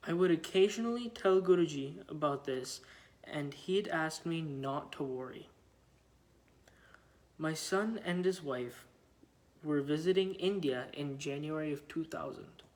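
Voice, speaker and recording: A man reading a written devotional account aloud in a measured, halting way. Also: fairly high pitch, darkish tone. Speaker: reader of devotional testimonies.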